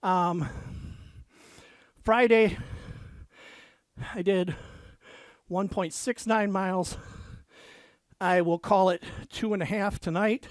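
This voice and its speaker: A man with a fairly high voice dictates his novel while walking at a treadmill desk, a little winded. He speaks slowly and measuredly and reads his punctuation marks aloud. The recording is close and dry, with no room sound. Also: steady tone, dry recording. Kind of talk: dictating fiction aloud, then casual chat.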